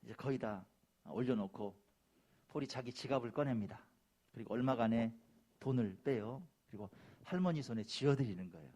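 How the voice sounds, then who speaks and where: Preaching a Sunday sermon in the church sanctuary, this pastor has a warm, medium-pitched voice and talks fairly quickly. He hammers home key phrases with emphasis and speaks straight to the people in the pews.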